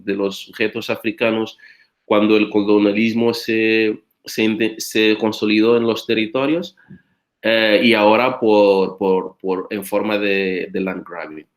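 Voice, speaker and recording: Slow, low-voiced man lecturing haltingly. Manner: halting, many fillers and restarts. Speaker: guest lecturer. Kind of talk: academic seminar lecture.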